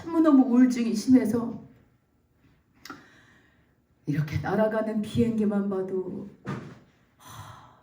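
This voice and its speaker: A woman in her forties giving a heartfelt church testimony, telling her story with lively acted-out quotes. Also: medium pitch, moderate pace, pauses often. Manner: animated storytelling, acts out quotes, laughs and nearly cries. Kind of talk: emotional testimony. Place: church sanctuary. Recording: echoey church room, mic at a distance.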